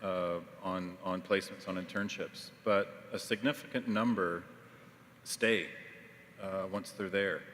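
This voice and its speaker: A man who teaches journalism, speaking on a panel in measured sentences with frequent fillers. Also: low-pitched, fairly even intonation, fairly bright tone. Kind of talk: panel discussion. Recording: reverberant hall, faint noise.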